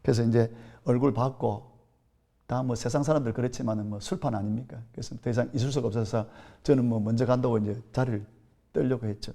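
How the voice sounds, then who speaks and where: A man's voice: mid-range voice, fairly even intonation, fast, creaky, mellow. A man in his fifties, a pastor with a Gyeongsang accent, preaching an earnest storytelling sermon that rises to emphatic peaks. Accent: Gyeongsang Korean.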